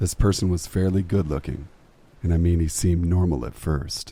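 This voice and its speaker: Fairly quick and somewhat breathy, a man speaks with a very deep, low pitch and a dark, mellow tone. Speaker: horror story narrator. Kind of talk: reading aloud.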